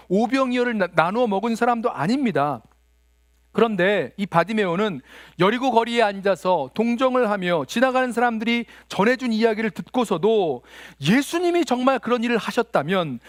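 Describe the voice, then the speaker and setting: A man's voice: high-pitched, no echo, studio quality. A male pastor preaching a sermon, earnest and rhetorical, often putting questions to the congregation.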